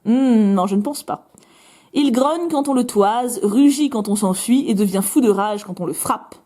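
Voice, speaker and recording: A woman with a French accent chatting casually while opening trading card packs, bubbly and self-mocking with quick asides. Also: fairly high pitch, mellow. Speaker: card-opening video host.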